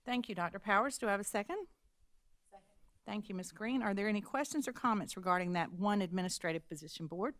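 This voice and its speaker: A woman chairs a school board meeting, reading motions and calling votes in a brisk, procedural way. Her voice is medium in pitch with a fairly bright tone, and there's no echo.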